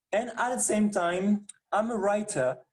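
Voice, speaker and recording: A man speaks with a strong French accent. His pace is fairly slow. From France. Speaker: visually impaired writer and association leader. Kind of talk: interview. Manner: careful, deliberately clear.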